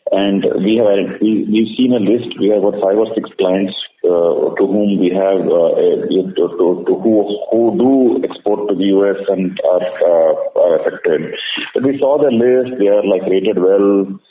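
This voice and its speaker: Echoey thin phone audio, man, Indian accent, executive answering questions, halting repeated phrases, faint noise. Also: low voice, phone-quality sound. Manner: repetitive, halting, emphatic restating of phrases. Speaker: bank executive on an earnings call. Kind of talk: spontaneous answers to analyst questions.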